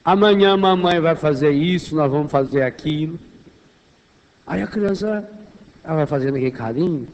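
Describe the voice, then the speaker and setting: A Brazilian man preaching a sermon as a Catholic priest, dropping to a hushed, soothing voice for demonstrations and rising to loud, emphatic stresses. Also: high voice, lo-fi sound. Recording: long hall reverb.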